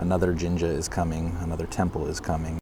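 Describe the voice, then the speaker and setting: A man keeps a moderate pace, with audible room echo and noticeable background noise present. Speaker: vlogger. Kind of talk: vlog. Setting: outdoors. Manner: quiet, talking softly.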